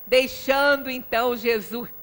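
A middle-aged woman with a Brazilian accent delivers a spiritual talk in a high, forceful voice. She takes her time, stressing points and adding little rhetorical check-ins. The sound rings with long room reverberation. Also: fairly even intonation, unhurried. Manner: emphatic, with frequent rhetorical tag questions. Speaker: lecturer at a Spiritist center. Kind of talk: religious lecture, explanatory and conversational. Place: small indoor lecture room. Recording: reverberant meeting room, distant microphone.

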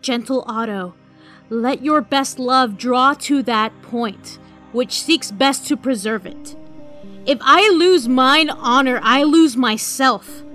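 Woman playing a high-voiced, earnest Roman noblewoman. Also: slow pace, fairly bright tone, faint music behind. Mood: earnest pleading. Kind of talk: Shakespearean audio drama acting.

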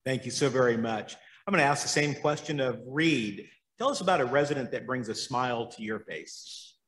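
A man's voice: mid-range voice, animated, moderate pace, fairly bright tone. A man moderating a panel, politely asking each speaker a question. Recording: roomy hall reverb.

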